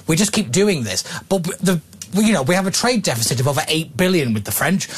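A man's voice: on the high side, lively intonation, quick pace, slightly rough. A man in an opinionated chat show, ranting indignantly.

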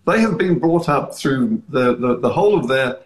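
A man joins a radio discussion as a guest, with a mid-pitched voice. He speaks in measured, deliberate phrases and stays firm. His voice carries a roomy echo. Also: animated. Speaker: studio guest.

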